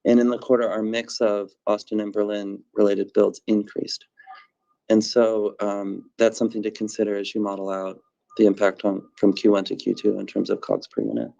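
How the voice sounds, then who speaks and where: A man speaking as a company executive, giving measured, explanatory answers on an earnings call over muffled conference audio. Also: on the low side, vocal fry, dark tone.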